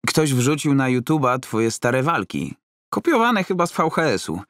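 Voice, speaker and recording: A man voicing an eager, hesitant middle-aged banker in an audiobook, excitable and halting, with stammers. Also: mid-range voice, dry recording, clean studio sound, pitched above the performer's own voice. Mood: excited.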